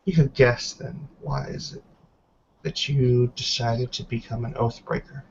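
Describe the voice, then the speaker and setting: A man playing a stern elderly tribal matriarch in a roleplay game, speaking formally in deliberate, halting phrases. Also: mid-range voice, steady tone, darkish tone, close to an everyday voice. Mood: probing. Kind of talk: tabletop roleplay in character. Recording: dull online call with background noise.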